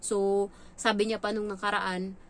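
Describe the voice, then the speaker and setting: A woman vlogging in a casual storytelling way about her work as a domestic helper, animated and quick to act out what others said. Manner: animated, acts out quoted lines in a higher voice. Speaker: domestic helper telling stories about her employers' child.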